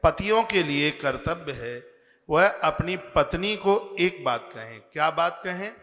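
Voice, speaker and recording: A man preaching a devotional sermon, speaking slowly and earnestly and chanting scripture verses. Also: on the high side, lively intonation, fairly bright tone, in a large hall. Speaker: religious preacher.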